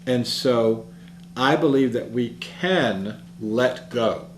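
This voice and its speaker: A man delivers an earnest, reflective public talk, easing into stories as he builds his point. His voice sits at an ordinary middle pitch. The room around him rings with echo, and a faint hum runs underneath. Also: takes it slowly. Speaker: speaker.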